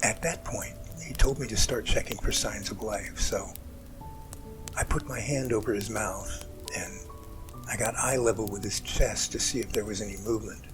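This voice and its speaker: A man playing an emotional rescuer in an amateur audio drama, recounting events in an earnest, halting, dramatic way. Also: on the low side, fairly even intonation, close to an everyday voice, poor audio. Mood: earnest, awed. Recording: music bed under the voice.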